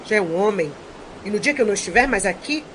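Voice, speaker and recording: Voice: medium pitch, lively intonation, fast talker, background noise, lightly acted. An actor with a Brazilian accent playing an earnest, nagging heroic father in an audio drama. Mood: admonishing. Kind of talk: comic audio drama acting.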